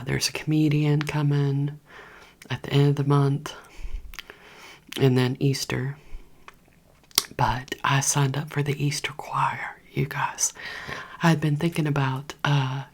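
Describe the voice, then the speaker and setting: A woman whispers close to the mic in a breathy, gravelly undertone that sits very low. She rambles along slowly and evenly, chatting to her viewers like friends. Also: little pitch movement, a little mellow. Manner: rambling, chatty, addresses viewers as "you guys". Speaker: ASMR creator. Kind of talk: whispered ASMR gossip chat. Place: indoors at home, heater running.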